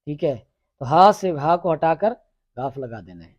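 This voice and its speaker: A male teacher leads a classroom grammar lesson. He fires short questions at his students and makes them repeat forms back to him. His voice sits a little high and sounds close and dry, with no room echo. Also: lively intonation, highs cut off. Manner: drills students with quick questions and repetitions.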